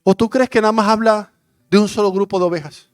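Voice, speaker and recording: High-voiced impassioned male preacher. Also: steady tone, fast talker, no echo, clean studio sound. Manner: impassioned preaching, swinging from loud declarations to hushed prayerful asides. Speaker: pastor. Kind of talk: sermon.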